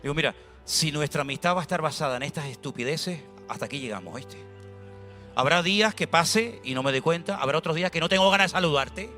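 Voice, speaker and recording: A man from Spain with a Spanish accent, a pastor preaching a sermon in a lively, colloquial way, acting out little dialogues from everyday church life. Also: a little high, fast talker, faint music behind.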